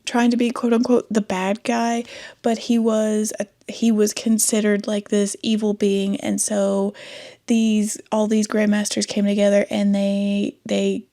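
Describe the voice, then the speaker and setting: Her voice is mid-range and warm but completely flat, and she takes her time, stuffed up from a cold. Hosting her laid-back book review channel at a desk mic, she rambles, backtracks to fix what she said, and laughs a lot.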